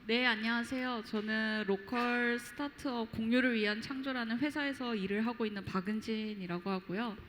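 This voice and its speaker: A woman heading a local startup, introducing herself on a panel in a measured, friendly way with fillers. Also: a little high, a bit bright, slight background noise. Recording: reverberant hall, faint ambience.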